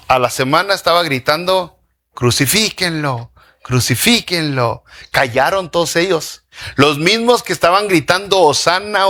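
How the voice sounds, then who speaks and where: A man preaching a sermon as pastor, lively, asking the congregation questions and dropping in slang. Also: on the high side.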